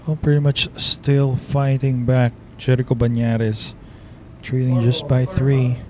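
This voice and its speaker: A man's voice: medium pitch, little pitch movement, takes it slowly, dark tone. Filipino-accented man calling a pool match. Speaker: pool commentator. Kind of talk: live sports commentary. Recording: noisy live stream audio.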